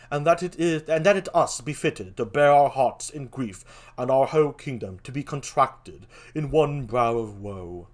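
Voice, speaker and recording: A man voicing a solemn, stately king in a theatrical Shakespearean style, declaiming in measured phrases with swelling emphasis. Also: mid-range voice.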